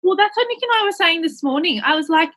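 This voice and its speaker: A woman's voice: extremely high pitch, expressive, quick pace, fairly bright tone. Chatty Australian woman with a stuffy cold. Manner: chatty and upbeat, many fillers and quoted asides. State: head cold, a bit nasal. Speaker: podcast guest, makeup artist. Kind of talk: casual interview chat.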